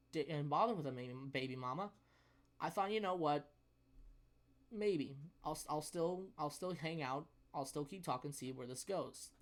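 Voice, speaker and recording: A young adult man telling a story in a casual rant, profane and emphatic, often halting and repeating his words. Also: fairly high pitch.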